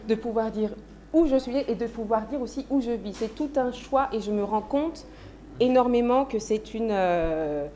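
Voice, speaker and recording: A woman's voice: fairly high pitch, moderate pace, dark tone, slight background noise. A woman from France, a singer being interviewed on a TV talk show, talking casually with frequent restarts. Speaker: guest singer.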